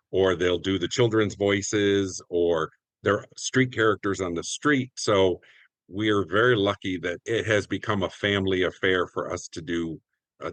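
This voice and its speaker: A man's voice: low-pitched, a bit bright, no room sound. A middle-aged American man reminiscing casually as a community theater actor in a group interview.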